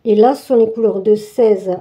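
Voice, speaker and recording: A woman's voice: medium pitch, moderate pace, dark tone. A woman hosting a craft channel, chatting through an unboxing with many fillers and restarts. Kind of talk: casual unboxing walkthrough.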